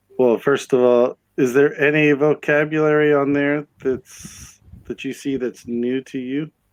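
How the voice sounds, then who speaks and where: A man talks in a plain, everyday voice, fairly high in pitch, with fairly even intonation. His fairly slow speech has hardly any pauses, and the sound is dry and close with no echo. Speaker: online English tutor. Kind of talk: casual chat.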